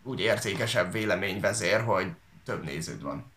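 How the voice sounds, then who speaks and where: A man from Hungary chats casually, often halting to search for the right words. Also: sits low, animated, fairly bright tone, a little hiss or hum. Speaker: online video creator and talk co-host. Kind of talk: casual conversational commentary. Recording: echoey room sound.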